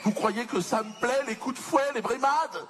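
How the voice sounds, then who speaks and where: A man's voice: extremely high pitch, moderate pace, raised voice. A man performing punchy stand-up as a pompous, self-pitying slave owner from the colonial past, theatrical, indignant and mock-dignified. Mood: aggrieved, pompous. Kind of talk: punchy stand-up comedy character monologue. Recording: noisy live theatre stage recording.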